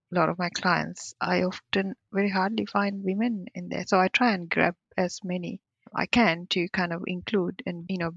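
A woman's voice: mid-range voice, gravelly, no echo, muffled recording. A woman in her forties, a cybersecurity professional, giving candid, reflective interview answers in non-native phrasing and laughing often. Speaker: cybersecurity professional, podcast guest.

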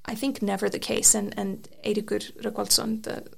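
A woman's voice: mid-range voice, level tone, moderate pace, gravelly, a little mellow. A young woman whose first language is Serbian, explaining her views thoughtfully as an interview guest. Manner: thoughtful, frequent restarts and fillers. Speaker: interview guest, article author. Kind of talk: conversational interview.

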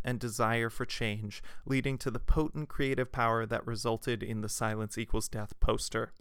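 Clear-voiced man reading an essay. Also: mid-range voice, a bit bright, no room sound, studio quality. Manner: measured, reads quotations aloud with "quote" and "end quote". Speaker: narrator. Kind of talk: scripted essay narration.

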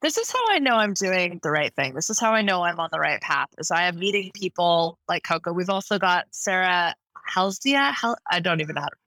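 A woman hosts a podcast and introduces her guest in a gushing, rambling way. Her voice sits a little low yet sounds bright. The recording is dry and close. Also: animated, brisk, dry recording, rough recording. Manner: effusive, rambling. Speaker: podcast host. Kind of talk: enthusiastic interview introduction. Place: hotel room.

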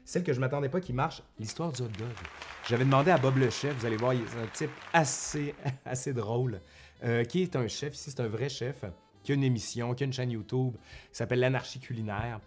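With a brisk delivery and a mid-pitched, somewhat mellow voice, a Québécois-accented man from Quebec, Canada, addresses his viewers in a casual vlog monologue. He's a history YouTuber and university professor seated at home by a bookshelf, talkative and informal, fixing his own wording and adding colloquial asides. Faint music can be heard underneath.

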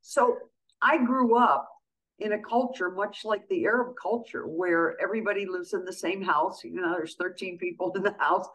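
Animated older woman telling stories. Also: medium pitch, normal speed, rough recording. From USA. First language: Greek. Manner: animated storyteller, acts out quoted exchanges. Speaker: guest, county treasurer. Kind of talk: conversational radio interview.

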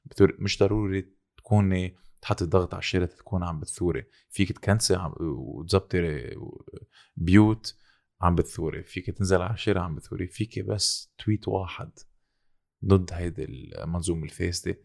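A man's voice: low voice, brisk, vocal fry, darkish tone. A man with a Lebanese Arabic accent talking casually about politics, insistent and repetitive, often switching into English phrases. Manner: insistent, repeats points.

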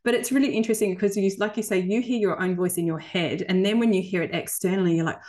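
A woman's voice: medium pitch, fast talker, darkish tone. A woman, a podcast host and coach who talks in an enthusiastic, chatty way and laughs often. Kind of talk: podcast interview.

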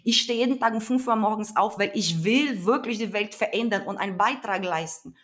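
A woman's voice: mid-range voice, brisk. Earnest woman with a Brazilian accent. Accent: Brazilian Portuguese. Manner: earnest, emphatic, searching for words. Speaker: activist guest. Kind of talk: conversational interview.

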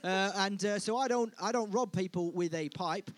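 A man's voice: high voice, moderate pace, no echo, lightly acted. A man improvising as a boastful bushranger robber from Yorkshire, rambling with many hesitations.

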